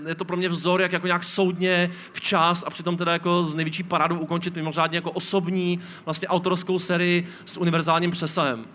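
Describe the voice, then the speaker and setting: Bright, high-voiced joking male host. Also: level tone, few pauses. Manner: joking, teasing co-hosts. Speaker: podcast host. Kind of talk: live podcast chat on stage. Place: outdoor stage before an audience.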